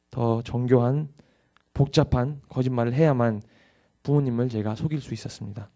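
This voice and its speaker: A young man pastor with a somewhat high but mellow voice delivers a dawn sermon. He tells his own story openly and confessionally, then urges his listeners earnestly. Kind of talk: dawn service sermon with personal testimony.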